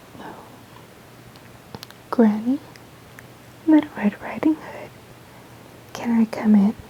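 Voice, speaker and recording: Noticeable background noise is present throughout. Over it, a woman whispers. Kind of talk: ASMR read story. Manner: whispered.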